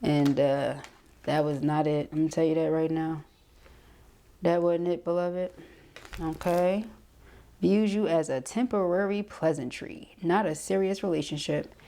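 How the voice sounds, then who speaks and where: A woman's voice: low-pitched, steady tone, a little slow, mellow. A woman giving a casual tarot reading, talking conversationally to the listener and often checking in with short tags. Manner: conversational, punctuated with frequent check-in tags like okay and right. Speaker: tarot card reader.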